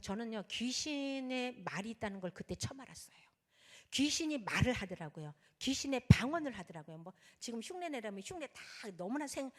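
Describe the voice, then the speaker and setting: A woman pastor with a slightly rough, somewhat high voice animatedly recounts a testimony during a sermon. She performs the prayers and speech of the people in her story, and the church sanctuary gives the audio a reverberant sound.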